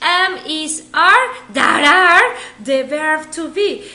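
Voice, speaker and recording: A woman uses a raised, projected voice. Audible room echo follows her words. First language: Spanish. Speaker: English teacher. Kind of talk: online lesson review. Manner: animated.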